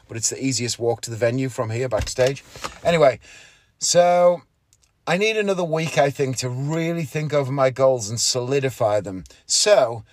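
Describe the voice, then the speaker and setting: A man's voice: mid-range voice, no room sound. A man, talking casually and candidly on his solo podcast from inside a parked car, often correcting himself. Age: 30s. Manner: rambling, candid, self-correcting. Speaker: podcast host, magician.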